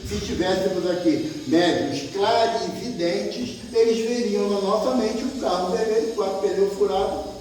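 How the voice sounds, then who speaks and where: Man, Brazilian Portuguese accent, spiritist lecture, mellow high voice, echoey hall, heard from afar. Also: measured pace, a little hiss or hum. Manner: poses rhetorical questions to the audience. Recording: echoey hall, distant mic, faint ambience.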